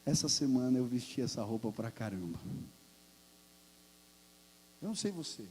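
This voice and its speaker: A Brazilian man preaching a sermon in a church, telling personal stories with sudden loud bursts. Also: medium pitch, moderate pace, in a large hall. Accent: Brazilian Portuguese. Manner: animated, confessional, storytelling with sudden loud peaks. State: hoarse from throat infection. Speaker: pastor. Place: church sanctuary.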